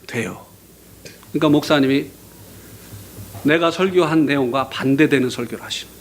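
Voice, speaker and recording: A man preaching as a guest speaker, telling his testimony in a lively storytelling way and often laughing. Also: fairly high pitch, normal speed, a little hiss or hum. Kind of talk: sermon with personal testimony.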